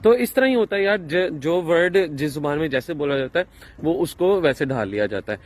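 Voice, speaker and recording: A man's voice: fairly high pitch, lively intonation. A man, talking to camera as a travel vlogger, chatty and explaining with many fillers and restarts, outdoors in a town. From Pakistan. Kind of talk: casual explanatory travel vlog.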